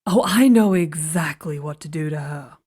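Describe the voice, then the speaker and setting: A woman's voice: low-pitched, normal speed, darkish tone, slightly rough. A woman playing a haughty, spiteful queen in a fantasy audio drama, with an imperious, dramatic delivery.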